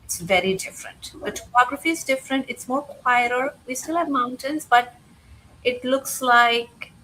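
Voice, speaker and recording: A woman interpreting a guest's signed answers in an interview, unhurried, pausing with uh between phrases. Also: sits high, pushed and bright, a little hiss or hum, low-quality recording.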